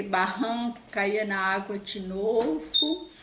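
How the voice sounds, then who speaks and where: Noticeable background noise is present. The room echo is audible too. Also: woman. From Brazil, Minas Gerais (rural, near Augusto de Lima). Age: 60s. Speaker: daughter of former bandits, interviewee. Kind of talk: interview, life story. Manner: halting, repeats words.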